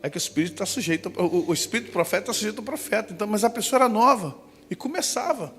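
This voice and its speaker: A man preaching a Pentecostal sermon with a Brazilian Portuguese accent, emphatic, swinging from soft asides to shouting. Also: high voice, expressive, rapid-fire, breathy edge. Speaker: pastor. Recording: long reverb with faint music.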